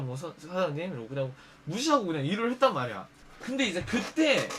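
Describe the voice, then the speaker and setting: Young man, high bright voice, lively storyteller, faint background hiss. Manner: animated, acts out quoted lines in shifting voices. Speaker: storyteller host. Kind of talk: casual storytelling monologue.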